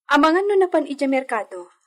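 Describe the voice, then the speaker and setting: Young expectant lady of the manor, soft and anxious, slightly higher voice played by a woman. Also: very animated, fast. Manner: gentle, worried questions. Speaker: mistress of the villa. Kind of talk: amateur audio drama acting.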